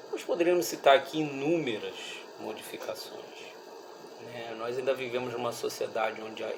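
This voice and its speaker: A man with a Brazilian accent giving a religious study talk in a reflective, halting way, often checking in with listeners. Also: mid-range voice, vocal fry, noisy background. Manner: reflective, halting, with frequent rhetorical check-ins. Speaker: speaker at a Spiritist study group.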